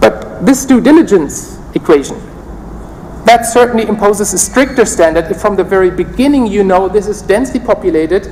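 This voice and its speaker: Noticeable background noise sits behind a woman who speaks fairly quickly at a medium pitch with lively intonation. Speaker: legal expert panelist. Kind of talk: panel talk.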